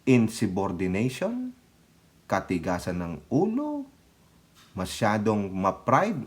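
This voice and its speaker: A man's voice: lowish voice, huge pitch swings, slow. A man giving casual political commentary as a vlogger, sarcastic and mocking, laughing often and speaking straight to his viewers. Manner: addresses viewers directly as countrymen.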